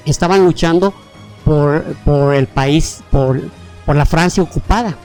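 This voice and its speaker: This podcast co-host has a Mexican Spanish accent and tells history casually, animated and rambling, packed with slang, restarts and fillers. The voice is medium-pitched and unhurried, with faint music playing behind.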